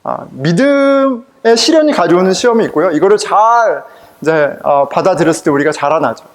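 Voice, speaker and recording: A man's voice: high-pitched, expressive, moderate pace. A man preaching a sermon as pastor, telling personal stories with humor, laughing at his own jokes and asking the congregation questions.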